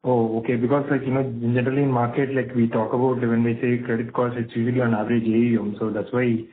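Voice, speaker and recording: A man's voice: mid-range voice, little pitch movement, fast. A man, an analyst on an earnings call, asking his questions in a rambling way, full of "like" and "you know". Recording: tinny phone line.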